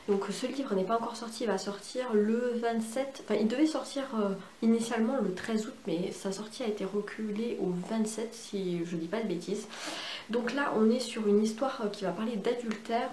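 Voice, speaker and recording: A woman's voice: mid-range voice, a little mellow, slight background noise. A French woman chatting casually about books she received, with lots of hesitations and eager recommendations. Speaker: book vlogger. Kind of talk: casual book haul chat. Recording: echoey room with faint ambience.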